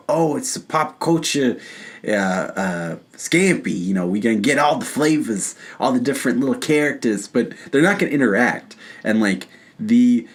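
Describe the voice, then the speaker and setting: Male co-host, slightly deep husky voice, explains his takes in casual movie chat. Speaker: podcast co-host. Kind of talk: casual film discussion.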